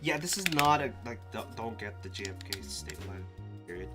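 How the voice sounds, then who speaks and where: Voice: mid-range voice, expressive, fairly quick, music in the background. A live streamer casually thinking aloud, muttering to themself with restarts and sudden exclamations. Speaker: live streamer testing keyboards.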